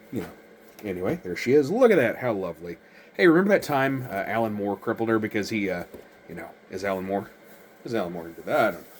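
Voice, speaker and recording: A man's fairly low, animated voice at a very fast pace, with lively intonation, big swings in loudness and long, frequent pauses. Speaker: toy review youtuber. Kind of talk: casual review monologue.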